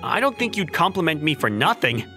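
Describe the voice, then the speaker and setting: A man's voice: a little high, a little fast, faint music behind. A man voicing a flustered, skeptical young office worker in a manga dub, sounding incredulous and given to inner narration. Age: young adult. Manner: exasperated, incredulous, animated.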